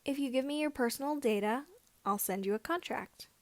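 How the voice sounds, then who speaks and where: A woman's voice: sits high, a little fast, dry recording. A woman voicing a standoffish, formal male military pilot in a story, speaking tersely. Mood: businesslike.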